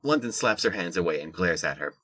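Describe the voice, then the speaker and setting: A man's voice: sits low, animated, brisk, a bit bright, husky. A man reading scripted narration for an audio drama.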